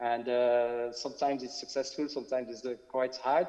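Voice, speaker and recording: A man with a Moroccan accent at a moderate pace. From Morocco. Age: 60s. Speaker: scientist and entrepreneur. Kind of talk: panel discussion. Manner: halting, many fillers.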